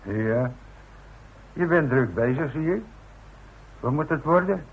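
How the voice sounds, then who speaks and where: A man's voice: on the high side, expressive, slow pace, breathy edge, exaggerated voice. Breezy male visitor, muffled old radio. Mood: breezy, familiar. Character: jovial, teasing male family acquaintance paying a visit. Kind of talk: radio play acting. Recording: muffled narrow-band old radio recording with hiss.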